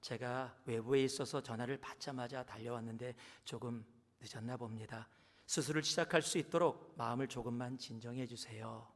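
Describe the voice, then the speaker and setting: A man playing a gentle, calm surgeon. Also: medium pitch, moderate pace, lightly acted. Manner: soft, soothing, apologetic. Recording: long church hall reverb.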